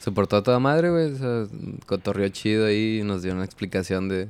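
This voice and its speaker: This man talks in a fairly low pitch. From northern Mexico, Coahuila (Ciudad Acuña). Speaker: content creator. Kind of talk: casual chat. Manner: halting.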